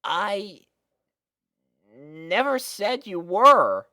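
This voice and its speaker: A woman's voice: mid-range voice, lively intonation, extremely slow, sharp tone, pitched above the performer's own voice, heavily acted. A woman voicing a casual, mildly bewildered young boy dragon in a storybook reading. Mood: taken aback. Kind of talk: storybook character voice in a fan fiction reading.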